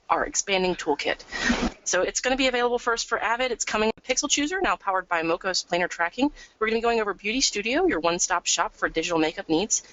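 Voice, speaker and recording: A woman presenting a live software tutorial webinar, upbeat and chatty, a bit sniffly from a cold. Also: mid-range voice. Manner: upbeat, chatty, lots of "we're gonna". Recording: dull, dry lo-fi webinar audio.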